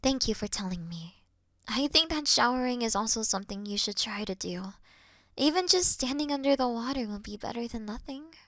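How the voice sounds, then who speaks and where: A woman playing a caring, worried best friend in an intimate roleplay audio call, speaking softly and soothingly with breathy murmurs. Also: fairly high pitch, expressive, a little fast, dry recording, studio quality. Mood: patient, encouraging. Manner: soft, soothing, reassuring, sighing, dropping into breathy murmurs. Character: caring, gentle young female best friend, patient and worried.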